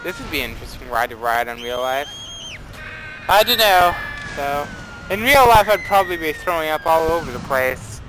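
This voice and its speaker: A man's voice: a little high, lively intonation, moderate pace, fairly bright tone, low-quality recording. A young man casually commenting on his own gameplay, rambling and playfully dramatic, with a desktop mic and faint background noise. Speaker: let's play host.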